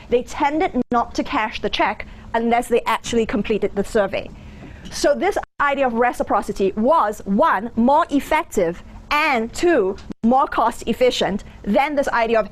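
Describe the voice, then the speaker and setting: A woman in her thirties with a mixed Singaporean and American accent, giving an informal, conversational lecture. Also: on the high side. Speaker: business school lecturer. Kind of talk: interactive lecture with anecdotes. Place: lecture theatre with audience. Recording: background noise of a lecture room.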